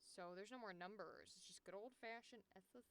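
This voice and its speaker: A woman's voice: medium pitch, fairly quick, a bit bright. A woman hosting a casual livestream tutorial, chatting informally, thinking aloud and swearing freely as she talks through each step. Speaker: livestream host and voice actor.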